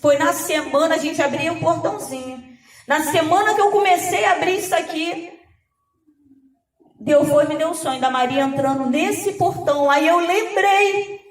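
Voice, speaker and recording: A woman pastor with a very high voice tells a story from the pulpit in an animated, conversational way and acts out the dialogue. She sounds distant from the microphone. The church hall gives her voice a strong echo. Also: normal speed. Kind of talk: conversational sermon testimony.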